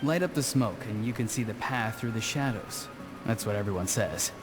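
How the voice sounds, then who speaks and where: An actor playing an earnest, slightly odd young loner who gardens, in a video game, speaking plainly and matter-of-factly. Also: male voice, lowish voice, lively intonation, normal speed, lightly acted. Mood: gentle, calm. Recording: music behind the voice.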